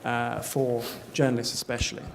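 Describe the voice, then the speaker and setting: A man's voice: medium pitch, level tone, normal speed, gravelly. A man speaking on a conference panel, rambling with lots of filler sounds. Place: conference stage.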